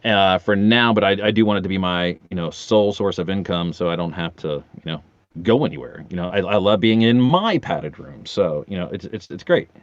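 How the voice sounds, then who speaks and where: A man's voice: low voice, animated, a little fast, no room sound, dull audio. A man in his forties chatting casually as a podcast guest, telling rambling, jokey anecdotes with casual swearing. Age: 40s.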